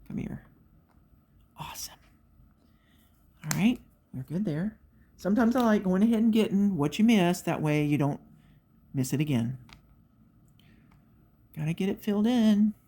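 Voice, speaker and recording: A woman's voice: mid-range voice, moderate pace, long pauses. A middle-aged woman hosting a craft video, chatting casually and telling stories while she works on a diamond painting. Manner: chatty, animated storytelling with quoted voices.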